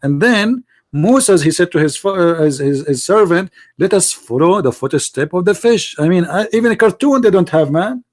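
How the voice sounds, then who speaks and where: Combative Arabic-native man, higher voice. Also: lively intonation, moderate pace, few pauses. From Middle East. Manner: combative, repetitive, mocking. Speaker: debate host. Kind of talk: heated religious debate.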